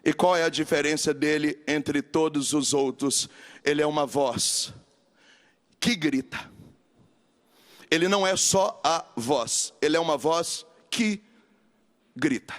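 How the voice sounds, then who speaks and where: High-voiced emphatic Brazilian preacher. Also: male voice, slow pace, long pauses. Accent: Brazilian Portuguese. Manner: emphatic, repetitive, rising to shouted refrains. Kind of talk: sermon. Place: large church camp gathering.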